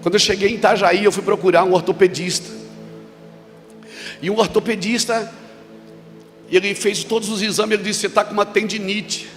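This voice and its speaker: A man preaching at a church conference, telling a story and then shouting emphatic declarations to the congregation. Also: sits high, little pitch movement, fairly quick, pauses often. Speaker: pastor. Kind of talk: sermon with storytelling. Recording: long reverb of a large hall with music.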